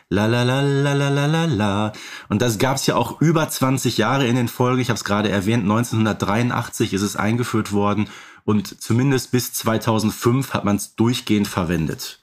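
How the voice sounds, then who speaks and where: A middle-aged man talks as a podcast co-host. His style is casual and explanatory, rambling along through long thoughts padded with filler phrases. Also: medium pitch. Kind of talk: casual conversational podcast talk.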